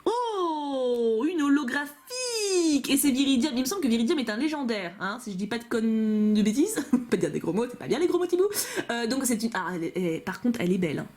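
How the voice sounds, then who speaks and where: A woman's voice: a little high, big pitch swings, brisk, darkish tone. A playful, chatty woman, casually commenting and joking as she opens card packs. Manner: playful, chatty, giggly, jokes to herself. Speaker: YouTuber opening trading card packs. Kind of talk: casual commentary while unboxing.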